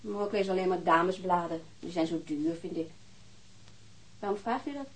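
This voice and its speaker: A woman's voice: fairly low pitch, moderate pace, a little hiss or hum, lightly acted, poor audio. An actress playing a weary, defensive divorced mother, answering questions hesitantly in a naturalistic radio drama. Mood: guarded.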